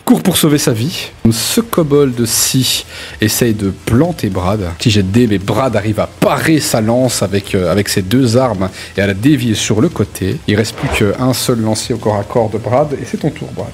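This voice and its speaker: A man's voice: lowish voice, moderate pace, slight background noise. A man narrating a tabletop role-playing game as game master, informally and with relish for gory detail. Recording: music laid under the voice. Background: background music.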